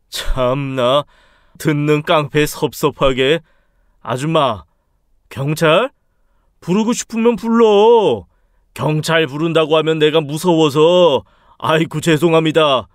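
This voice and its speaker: Guy voicing a crude bully thug, sneering and threatening, kinda high voice, dry sound. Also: slow pace, dry recording. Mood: menacing. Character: menacing young thug man, crude extortionist. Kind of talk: audiobook story reading.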